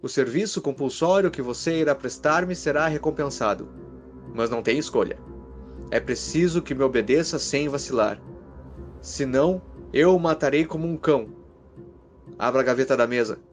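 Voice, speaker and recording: A man's voice: medium pitch, moderate pace, soft background music, close to an everyday voice. A man voicing a cold, vengeful man who gives threats and orders dryly, in a horror story. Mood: cold commanding. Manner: dry, commanding, threatening. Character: cold, menacing man, a vengeful jealous husband with revolver.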